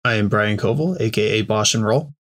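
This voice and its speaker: A male podcast co-host with a somewhat low voice. He talks in a relaxed, chatty way and drops casual slang. His pace is easygoing and conversational. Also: brisk.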